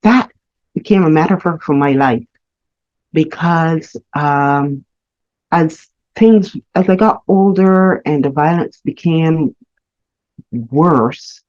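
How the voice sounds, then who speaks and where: Woman, earnest, reflective, halting, deep for a woman, muffled lo-fi sound. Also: darkish tone, no echo. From Barbados. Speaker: guest. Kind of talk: candid personal storytelling. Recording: slightly muffled lo-fi audio.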